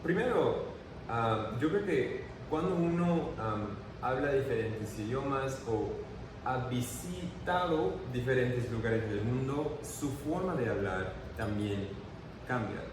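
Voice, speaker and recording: A man hosts a casual interview, building his questions slowly and hesitantly. The recording is distant and very roomy, with clear noise in the background. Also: mid-range voice, animated. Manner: thoughtful, hesitant, many fillers. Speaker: interview host.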